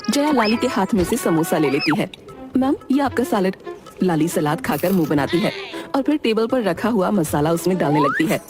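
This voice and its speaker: A woman narrating a cartoon story in a measured, expressive scripted way. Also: lowish voice. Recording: loud background music.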